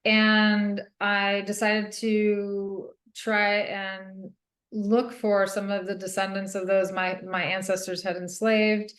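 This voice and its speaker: A woman's voice: mid-range voice, flat delivery, slow. Thoughtful middle-aged woman, roomy studio. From Northern California. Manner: thoughtful, many ums and soft laughs. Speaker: author. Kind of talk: interview answers. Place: radio studio.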